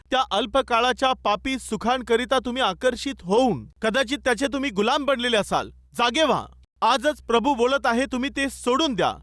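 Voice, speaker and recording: High-voiced male preacher urging listeners. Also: fairly bright tone, no echo, clean studio sound. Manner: repetitive exhortation with rhetorical questions. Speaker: pastor. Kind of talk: sermon.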